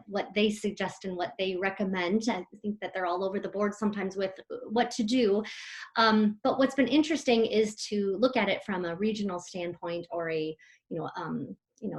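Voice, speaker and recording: A woman speaks at an ordinary mid pitch as an executive guest on a remote interview from home. She sounds friendly and upbeat, talking in long, articulate answers with the occasional filler.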